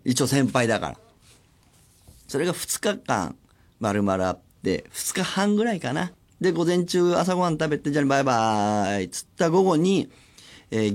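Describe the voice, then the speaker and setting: A man hosting a solo radio show, chatting casually and acting out other people's lines in quick little voices. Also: mid-range voice, darkish tone. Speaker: radio host.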